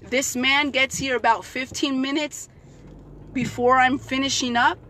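A woman's voice: sits high, fairly even intonation, a little slow, bright, forceful tone, slight background noise. A woman in her thirties talking into a phone held at arm's length inside a parked car, fervently addressing her viewers and repeating praise like a street evangelist. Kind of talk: casual vlog, preachy exhortation.

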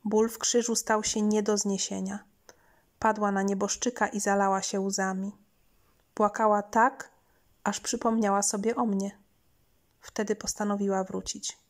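A woman's voice: mid-range voice, a little mellow. A woman reading a scripted first-person horror story as an audiobook narrator. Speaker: audiobook reader. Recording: lo-fi home audiobook recording.

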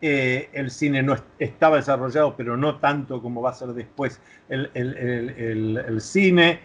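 A man's voice: mid-range voice, a little slow, fairly bright tone. An older man speaking thoughtfully in a reflective conversation, explaining ideas with a few restarts over a video call from a home study. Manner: thoughtful, lecturing, with filler restarts. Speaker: interview guest.

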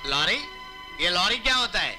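An actor playing a rough, bossy male kidnapper in a comedy film, mocking and impatient. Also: high voice, animated, normal speed, over music. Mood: exasperated. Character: brash bullying male kidnapper. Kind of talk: 1990s Hindi film comedy acting.

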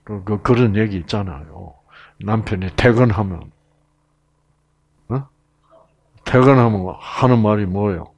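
A middle-aged man from Korea's Gyeongsang province gives a relaxed, anecdotal Bible lecture, telling stories in a chatty way full of fillers and asides. His gravelly, husky voice is fairly low and darkish in tone. He speaks at a measured pace and pauses often.

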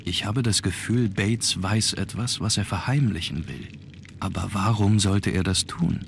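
A man playing a determined young aristocrat in an adventure game, speaking in a measured, formal way. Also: fairly low pitch, steady tone, vocal fry, a little hiss or hum. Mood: pensive, matter-of-fact. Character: determined young aristocratic man investigating his grandfather's death. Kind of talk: scripted adventure game dialogue.

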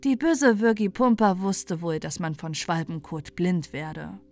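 A woman's voice: fairly low pitch, unhurried, a little mellow. A woman narrating a fairy tale as a bedtime storyteller. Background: music.

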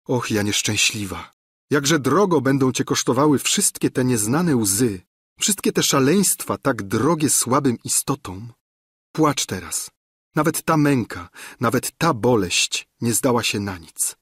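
Husky pleading heartbroken young woman from a classic novel, a guy reading her lines, dry close sound. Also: medium pitch, animated, a little slow, dry recording. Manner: impassioned, declamatory pleading. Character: despairing young woman in love, pleading and bitter.

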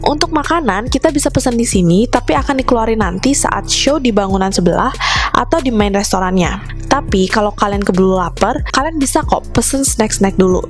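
A woman's voice: medium pitch, animated, brisk, soft background music. A young woman narrating a casual restaurant review vlog in a chatty way, often addressing viewers as guys. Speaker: vlogger.

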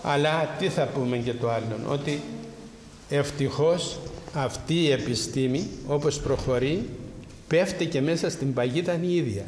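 A man's voice: a little high, darkish tone, slight background noise. A man, a priest, giving a spiritual talk to a congregation and asking them rhetorical questions. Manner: preaching with rhetorical questions to the audience. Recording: roomy hall with long echo.

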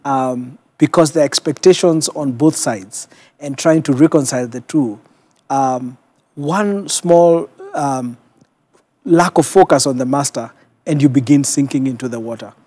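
A middle-aged man with a Kenyan accent, a pastor talking reflectively and in a measured way as an interview guest. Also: medium pitch, dark tone, no room sound. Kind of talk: conversational television interview, personal storytelling. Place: television studio. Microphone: lapel mic.

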